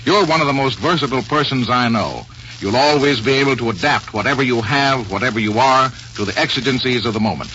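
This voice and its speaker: This is a man in the classic old radio announcer mould of the 1940s. His delivery is polished and formal, with a bright, crisp edge. The sound is a muffled vintage broadcast with faint noise. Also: mid-range voice, fast. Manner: polished, formal wordy phrasing.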